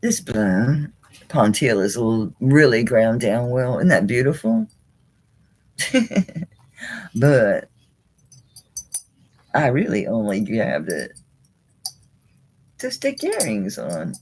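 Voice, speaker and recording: A chatty woman hosts a relaxed live jewelry auction, talking to herself as she handles each piece. She speaks slowly but with a lively, rising-and-falling pitch and frequent laughs. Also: low-quality recording. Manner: chatty, laughs often, talks to herself while handling items. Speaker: online jewelry seller. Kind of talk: casual live auction chat.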